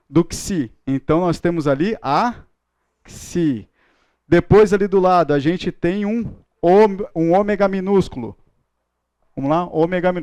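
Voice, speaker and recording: A man's voice: on the high side, darkish tone, smooth, dry recording, clean studio sound. A man with a Brazilian Portuguese accent teaching a Bible school class in a playful, joking way, leading the room in chanting letters. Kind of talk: lively classroom lesson.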